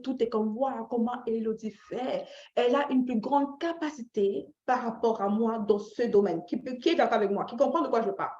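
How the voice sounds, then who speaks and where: High-voiced woman coaching in a roomy echo. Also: dark tone. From Canada. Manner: peppers speech with English tags like "right?" and "ok?", repeats phrases for emphasis; engages listeners directly with questions. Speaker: financial coach and teacher. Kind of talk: informal live teaching talk with motivational tone. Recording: roomy echo, slightly dull lo-fi sound.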